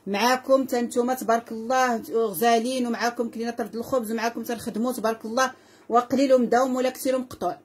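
A woman's voice: on the high side, steady tone, racing, darkish tone, slight background noise. A woman with a Moroccan Arabic accent hosting a live jewelry sale, effusive and repetitive, calling out prices and blessings to her viewers. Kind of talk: live sales pitch.

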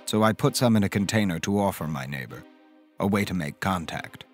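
Over soft background music, a male actor with a low, expressive voice plays a polite, fussy accountant recounting a horror story in the first person. His delivery is measured and the mood reflective.

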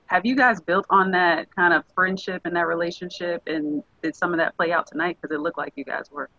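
A woman's voice: fairly low pitch, fairly even intonation, a little fast, pushed and bright, dry recording. A woman reporter in her thirties asking conversational questions over a video call. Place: living room with sofa. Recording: dull video-call audio.

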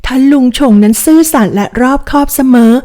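A woman's voice: a little high, expressive, brisk, dark tone, close to an everyday voice. Woman doing a headstrong young noble daughter. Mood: alarmed. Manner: pleading, earnest questions.

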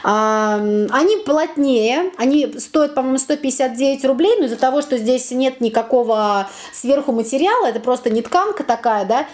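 Young woman, home vlogger, casual chat, lively, self-mocking, fairly high voice, small room, camera mic. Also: normal speed, few pauses. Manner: lively, self-mocking, talks with her hands. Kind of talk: casual chatty vlog. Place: small bright room, indoors.

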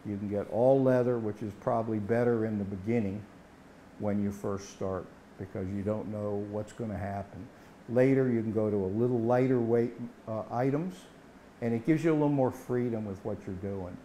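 A man's voice: fairly low pitch, steady tone, normal speed, dark tone, a little hiss or hum. A man in his sixties giving a plain-spoken, explanatory demonstration as a welding instructor, standing indoors in a workshop. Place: indoor workshop set, standing before a tool board.

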